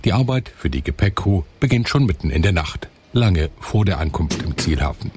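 Deep-voiced male documentary narrator. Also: expressive, moderate pace, a little mellow, slightly rough. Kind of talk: scripted voice-over narration.

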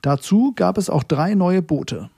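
A man reading a news report as scripted narration, in a measured way. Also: high voice, expressive, creaky, dark tone, a little hiss or hum.

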